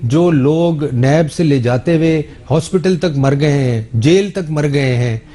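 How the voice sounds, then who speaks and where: A man's voice: a little high, slow pace, dark tone. A man with a Pakistani Urdu accent answering questions in a TV interview, insistent and defensive.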